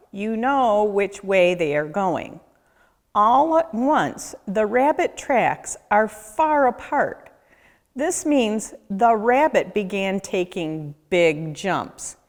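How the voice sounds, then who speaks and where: Slow, expressive woman reading to children. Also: mid-range voice. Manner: deliberate, questioning storyteller delivery for children. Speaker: nature center educator reading aloud. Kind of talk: children's picture book read-aloud. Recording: echoey room with long reverb.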